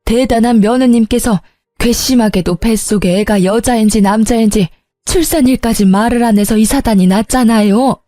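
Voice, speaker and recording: A woman voicing an older mother-in-law obsessed with grandsons, lamenting in long, drawn-out sobs. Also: fairly high pitch, mellow, no echo, faint music behind, close to an everyday voice. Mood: complaining.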